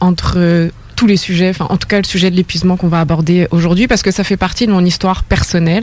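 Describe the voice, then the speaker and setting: Over noticeable background noise, a woman with a non-native accent speaks at a medium pitch with fairly even intonation. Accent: foreign French accent, noticeable. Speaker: performance coach. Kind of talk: radio interview. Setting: radio studio.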